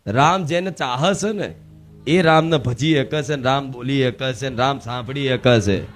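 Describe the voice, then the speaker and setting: A woman guru delivering a devotional sermon, emphatic and full of rhetorical questions, at times rising to shouts. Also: extremely low pitch, measured pace, faint music behind.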